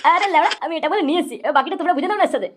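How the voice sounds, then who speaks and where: Rapid-fire cocky cartoon hustler lad voiced by a woman. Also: very high voice, expressive. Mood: defiant. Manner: crude, cheeky. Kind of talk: comic cartoon dubbing. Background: music.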